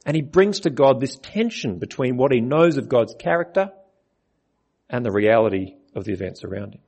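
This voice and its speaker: A man's voice: mid-range voice, animated, normal speed, a little mellow. A man preaching a sermon on a Bible passage, earnest, putting questions to his listeners.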